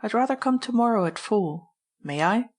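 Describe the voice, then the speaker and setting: A woman voicing a polite, composed gentleman in an audiobook. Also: fairly high pitch, lively intonation, normal speed, voice pushed up. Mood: suave, calm. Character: smooth, courteous gentleman thief Anthony Trent.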